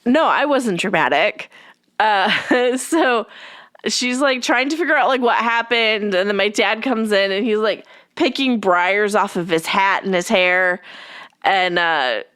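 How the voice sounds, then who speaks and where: A woman's voice: medium pitch, measured pace, a bit bright, smooth, no echo, clean studio sound. A young woman hosting a podcast in a loose, chatty way full of fillers, sounding a little stuffy from allergies. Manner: rambling, filler-heavy, friendly. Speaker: podcast host. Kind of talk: casual chatty podcast talk.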